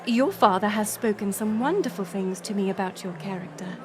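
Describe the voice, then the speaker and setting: A woman playing a gracious, resolute middle-aged queen in an audio roleplay, speaking in formal, stately, measured phrases. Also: mid-range voice, background noise, close to an everyday voice. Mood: earnest reassurance. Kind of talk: scripted audio roleplay acting.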